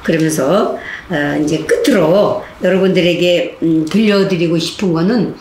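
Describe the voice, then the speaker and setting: An older woman, a Catholic nun, telling stories, acting out the voices of the people in them. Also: moderate pace. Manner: animated, acts out voices of inmates and guards with big pitch jumps. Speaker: Catholic nun giving a laughter-therapy talk. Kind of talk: lively storytelling lecture. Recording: echoey hall with faint noise.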